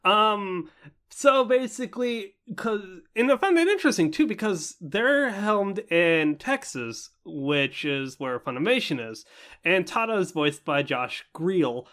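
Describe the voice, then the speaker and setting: A man's voice: sits high, sing-song, unhurried, a bit bright. A young man co-hosting a casual anime review podcast, talking in a rambling way with many fillers. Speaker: podcast co-host.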